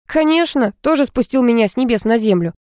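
A woman's voice: a little high, animated, fairly quick, darkish tone, no echo, voice pushed up, lightly acted. A woman voicing a curious, chatty young woman student who keeps asking questions, in a dry recording. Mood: friendly. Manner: eager, questioning.

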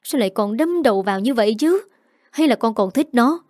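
Angry middle-aged mother, scolding hard, mellow low-toned delivery, read by a woman narrator. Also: expressive, brisk, no room sound, studio quality, natural voice. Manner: scolding, sharp rebukes.

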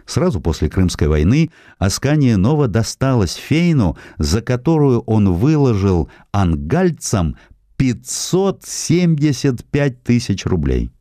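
A man reading a scripted historical narrative as an audiobook narrator, in an expressive, measured storytelling manner. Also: medium pitch, no room sound, studio quality.

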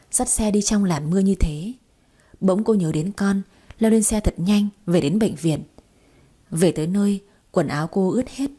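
A woman's voice: lowish voice, warm tone, breathy edge. A woman narrating a melodramatic story in a sorrowful, tender way.

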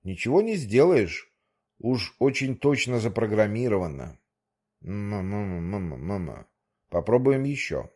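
A man's voice: mid-range voice, sing-song, moderate pace, a little mellow, husky. A man doing a humming, ponderous old manager. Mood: musing. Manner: hums "m-m-m" before speaking. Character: humming, ponderous male institute manager, self-satisfied.

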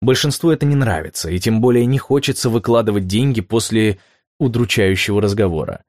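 A man narrating nonfiction in a measured, clear storytelling manner, posing rhetorical questions along the way. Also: lowish voice, a little mellow, no room sound, studio quality. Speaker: audiobook narrator.

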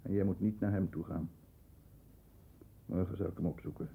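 Deep, husky, stern barrister with gravelly edge. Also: male voice, fairly even intonation, normal speed, warm tone, heavily acted. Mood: urgent, commanding. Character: stern, controlled barrister shielding his wayward brother, narrating events. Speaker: actor playing narrator and lead. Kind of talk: 1960s Dutch radio thriller acting, first-person narration.

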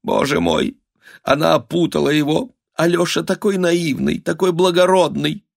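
A shrill, melodramatic old countess, put on by a man reading. She wails and gasps her words in high-strung bursts, every sentence a small catastrophe, in a dry, close sound. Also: lively intonation, normal speed, vocal fry, no room sound. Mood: shrill hysterical. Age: older. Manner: wailing, breathless, melodramatic exclamations. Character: hysterical aging countess mother, shrill and dramatic.

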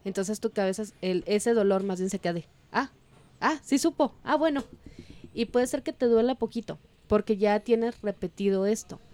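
Mellow-voiced Mexican woman explaining casually. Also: mid-range voice, normal speed. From Durango, Mexico. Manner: conversational, acts out imagined dialogue. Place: studio in Guadalajara.

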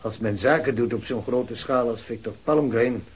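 An actor in a radio play playing a cool, evasive male company executive who answers police questions curtly and condescendingly, with a husky voice. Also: mid-range voice, moderate pace, close to an everyday voice. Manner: curt, guarded, condescending. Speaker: business executive. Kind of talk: Dutch radio play acting.

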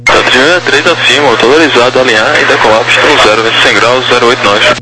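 A man giving takeoff clearances as a tower controller, heard through a radio. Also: medium pitch, fast talker, background noise. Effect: radio transmission.

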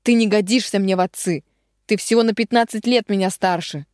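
Woman reading a heartbroken young woman, fiery, sharp and cold, audiobook, dark voice, dry sound. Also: medium pitch, normal speed, dry recording, close to an everyday voice. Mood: cold anger. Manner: pleading then shouting, sharp and cold.

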